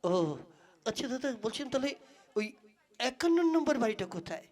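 A woman's voice: high voice, animated, brisk, darkish tone. A woman playing a courteous, hesitant man who is a stranger in a village, in a comic puppet play. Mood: puzzled. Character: polite, hesitant, increasingly impatient male stranger seeking directions.

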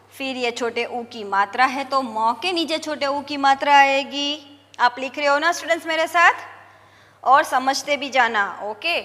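Slow, patient high-voiced woman teacher. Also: bright, forceful tone, in a large hall. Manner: slow, patient, mixing in English words. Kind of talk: online lesson for young pupils.

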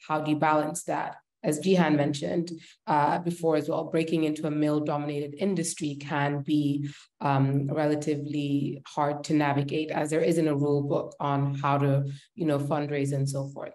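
A woman in her thirties moderating a panel on a video call, thanking speakers and asking measured questions. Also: low voice, a little mellow. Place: indoor room.

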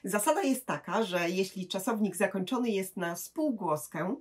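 A woman teaching English grammar, explaining patiently and saying English examples slowly and clearly. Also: mid-range voice, animated.

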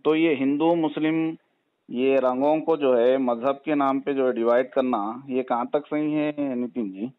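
A man's voice: medium pitch, fairly even intonation, a little slow, clean tone. A man from Hyderabad with a Hyderabadi accent, arguing on a phone call in an insistent, persuasive manner and repeating his points. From Hyderabad, India. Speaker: caller. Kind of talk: argumentative phone conversation. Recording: dull, lo-fi recorded phone call.

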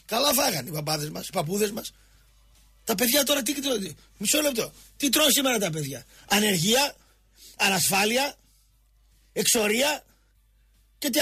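Man, Greek accent, radio talk host, heated rant, high voice, husky, repeats himself. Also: pushed and bright. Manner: impassioned, repetitive, jabbing at a co-host.

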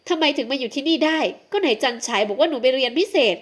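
A woman's voice: high-pitched, lively intonation, quick pace. Bossy, doting elderly noblewoman for an audiobook, voiced by a woman narrator, fussy scolding manner. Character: elderly aristocratic aunt, doting yet bossy. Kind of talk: audiobook character voice.

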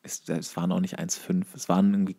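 A man's voice: low voice, level tone, fast talker, vocal fry, mellow. A young man with a German accent, chatting casually as a podcast co-host.

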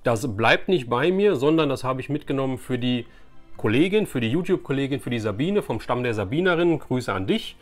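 A man's voice: mid-range voice, animated, brisk, soft background music. A man in his forties hosting a casual vlog, chatting to viewers in a conversational, anecdotal way. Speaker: YouTube host, collector. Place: small indoor room with shelves of collectibles.

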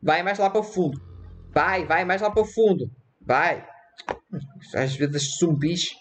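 A man with a European Portuguese accent giving casual, excitable let's-play commentary, repeating his phrases and breaking into quick panicky outbursts. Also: high-pitched. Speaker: gaming YouTuber.

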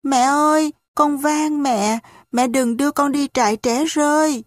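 A woman's voice: high voice, a little slow, no room sound, voice pushed up. A woman voicing a frightened young orphan boy who pleads and begs in a tearful way. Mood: pleading.

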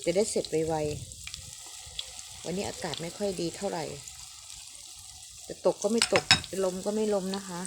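A woman's voice: medium pitch, measured pace, long pauses. An older woman, chatting to viewers while she demonstrates a home recipe and coaxes a grandchild to eat. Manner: chatty, addresses viewers, coaxes a child between steps. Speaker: home cooking vlogger. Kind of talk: casual cooking demonstration. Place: home kitchen. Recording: noisy frying sizzle behind. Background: oil sizzling in a pan.

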